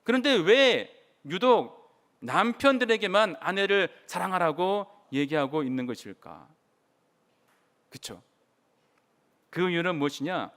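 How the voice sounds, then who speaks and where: Male preacher with a high, clear voice, giving an earnest sermon in a church sanctuary. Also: animated, a little slow, long pauses, fairly bright tone. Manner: earnest preaching, asks the congregation questions. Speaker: pastor.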